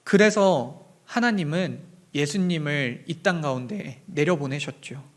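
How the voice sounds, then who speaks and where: A man's voice: on the high side, measured pace. A young man preaching a sermon in a church, telling a personal story in an earnest, heartfelt way. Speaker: pastor. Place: church sanctuary.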